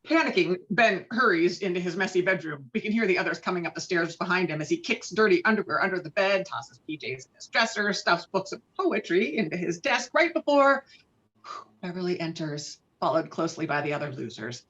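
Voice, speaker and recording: Woman, lowish voice, scripted screenplay narration, muffled video-call audio. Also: very animated, brisk, a bit bright. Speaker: narrator reading stage directions. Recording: dull lo-fi online call audio.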